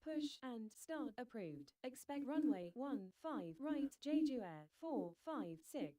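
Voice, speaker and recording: A measured female airline pilot, acted by a woman in a flight game. Her high voice is mellow and slow, delivering procedural radio phraseology deliberately. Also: animated.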